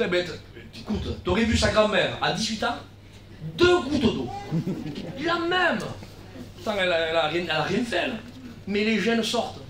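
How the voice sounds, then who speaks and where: A man with a southern French accent preaches with real fire, his voice sitting very high and ringing bright. He swings between shouted lines and softer, confiding asides, often repeating a word before pushing on. He is heard from some distance in an echoey church. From South of France. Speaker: guest pastor. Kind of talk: sermon. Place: church hall.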